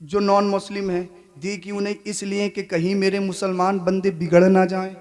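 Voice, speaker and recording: High-voiced male preacher, shouts then chats. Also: little pitch movement, normal speed. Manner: swings between shouted exhortation and quiet, conversational asides; keeps asking the audience questions. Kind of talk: sermon at a religious gathering.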